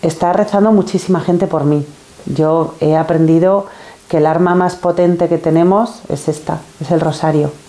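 A woman with a fairly low voice talks at very even loudness with fairly even intonation. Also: moderate pace. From Spain (Salamanca, then Madrid from age 12); Spain. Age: 40s. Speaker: cancer patient sharing faith testimony. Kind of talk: testimony. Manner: hesitant, many fillers and repetitions. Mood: earnest, emotional. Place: studio. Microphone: lapel.

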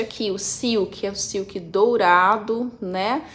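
A woman's voice with ordinary pitch variation. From Brazil. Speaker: perfume reviewer, YouTuber. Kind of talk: product review video. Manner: chatty, informal. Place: home room. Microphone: phone near.

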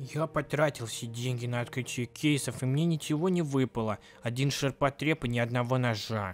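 A man does a whiny, put-on character voice at a medium pitch with ordinary pitch variation. He talks at a fairly quick pace in a very clean recording with a silent background. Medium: cartoon. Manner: whiny, frustrated, then eager.

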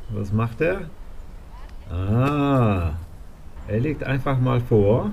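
A man at medium pitch, somewhat breathy, with lively intonation, a very slow pace and long, frequent pauses. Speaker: disc golf video creator. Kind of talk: live commentary. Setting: outdoors. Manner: animated.

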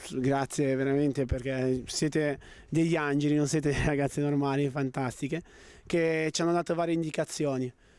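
Fairly high in pitch, a man talks at a moderate pace with fairly even intonation. The sound is dry with no echo, and the background is quiet. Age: 30s. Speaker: magician and clown with a bone disease; interviewee. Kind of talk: interview testimony. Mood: warm, grateful. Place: garden. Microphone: handheld.

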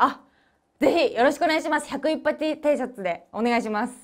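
A woman with a high voice speaks at a moderate pace with lively intonation. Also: quiet background. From Ibaraki, Hitachi city; Ibaraki, Japan. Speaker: show assistant co-host. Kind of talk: casual chat. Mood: playful, laughing. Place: studio.

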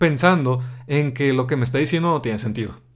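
Over a quiet background, the man's speech keeps a moderate pace. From Mexico. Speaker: programming YouTuber. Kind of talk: personal vlog testimony. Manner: halting, stuttering. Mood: reflective, personal confession. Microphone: studio mic.

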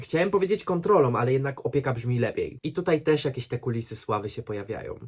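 A somewhat breathy male voice of medium pitch on a very clean recording with a silent background. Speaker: book YouTuber. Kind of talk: casual vlog monologue.

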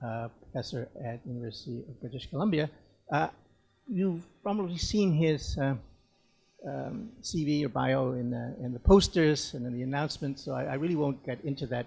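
There is some breathiness in the voice, and its intonation is lively. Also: man. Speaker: event moderator. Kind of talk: event moderation. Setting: stage with audience. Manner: halting. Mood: light, joking. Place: hall. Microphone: handheld.

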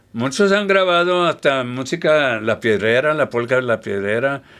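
Speaking at a fairly slow pace, a man with a bright, sharp tone makes very wide pitch swings. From Texas. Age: 70s. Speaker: accordionist; guest. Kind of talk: interview. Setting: studio. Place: home room. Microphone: studio mic.

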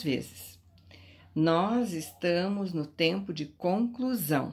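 Here a woman is speaking. Her pace is very slow. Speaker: spiritual teacher. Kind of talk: spiritual talk to viewers. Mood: calm, warm. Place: home room. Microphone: phone near.

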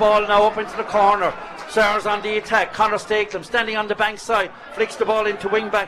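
A man's high, raised and projected voice in a Munster Irish accent, very fast and monotone, over noticeable background noise. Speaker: radio sports commentator. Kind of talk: live sports commentary. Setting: stadium, live match. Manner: fast, fluent play-by-play.

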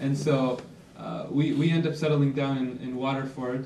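A man speaks at a moderate pace and a fairly high pitch, in a monotone, flat intonation. Audible room echo and light background noise are present. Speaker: panelist, educator. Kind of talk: panel talk. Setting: stage with audience. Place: meeting room.

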